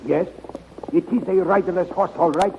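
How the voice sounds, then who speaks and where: An actor playing a cautious scientist and mentor, formal and authoritative, in 1930s radio serial style. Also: male voice, high-pitched, fairly even intonation, moderate pace. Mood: cautious, urgent. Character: brisk, cautious male scientist mentoring a young hero. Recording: dull, noisy 1930s radio recording.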